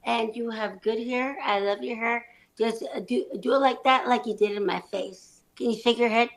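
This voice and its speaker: A woman's voice: a little high, fairly even intonation, moderate pace, close to an everyday voice. A woman improvising a boastful, competitive film star on a reality show, talking in a brash, swaggering way and swearing freely. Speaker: improv performer. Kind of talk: improvised comedy scene.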